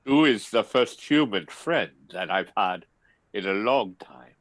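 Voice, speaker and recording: Give me a slow, low-voiced ancient vampire played by a man. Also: animated, fairly bright tone, no echo. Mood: grand, deliberate. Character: ancient male vampire, grand and languid. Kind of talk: video-call table read of a comedy film script. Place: remote video-call reading.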